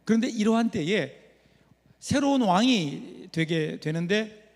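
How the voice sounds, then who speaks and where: High-voiced pastor preaching in a reverberant church. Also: male voice, lively intonation, unhurried. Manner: storytelling with rhetorical questions to the congregation. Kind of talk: sermon. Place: church sanctuary. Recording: long reverb of a church hall.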